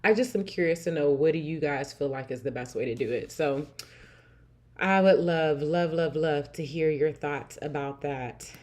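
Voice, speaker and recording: A woman hosts a casual livestream and talks into her computer mic. Her voice sits a little low, and she chats warmly, laughs often and reads out viewer comments as she goes. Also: moderate pace. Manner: warm, chatty, laughs often, repeats "I love it". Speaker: livestream host.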